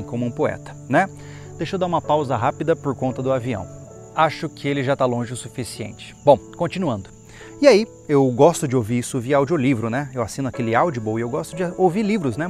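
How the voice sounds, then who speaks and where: A man sharing a personal conversion testimony in a casual, rambling way, often restarting and thinking aloud, with an earnest, emotional tone. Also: fairly high pitch. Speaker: testimony speaker. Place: outdoors, insects and a plane audible.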